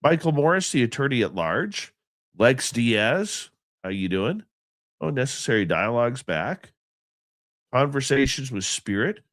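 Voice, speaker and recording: A man's voice: medium pitch, very animated, measured pace, fairly bright tone, dry recording, clean studio sound. A congested, just-woken-up man hosting a live radio stream, chatting loosely and greeting his viewers by name. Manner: rambling, chatty, affectionate with viewers. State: congested, stuffy nose. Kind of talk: casual live show chat, reading out chat names.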